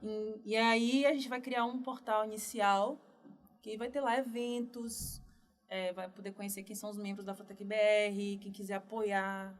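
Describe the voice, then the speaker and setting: A woman from Northeast Brazil, a developer guest telling her career story in a relaxed, chatty interview. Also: medium pitch, moderate pace. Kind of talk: casual podcast interview.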